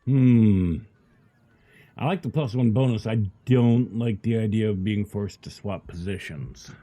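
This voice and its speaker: A middle-aged man talks through his game in a casual way. His voice is lowish and soft-edged, dark in tone. He thinks aloud as he plays and reads out item names. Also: unhurried. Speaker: gamer playing and commenting. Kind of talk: casual gameplay commentary.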